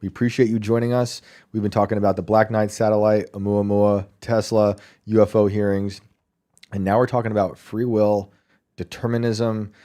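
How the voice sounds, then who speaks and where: A man hosts a call-in show in an easygoing, chatty way. His voice sits low and sounds warm and soft-edged. He thinks out loud, with plenty of fillers and easy laughter. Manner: relaxed, laughs often, thinks aloud with fillers. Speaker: podcast host. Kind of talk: casual call-in show chat.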